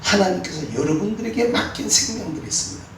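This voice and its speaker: A man preaching a sermon as pastor, exhorting with animated, emphatic peaks. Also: sits high, quick pace. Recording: echoey hall, mic far off, faint room noise.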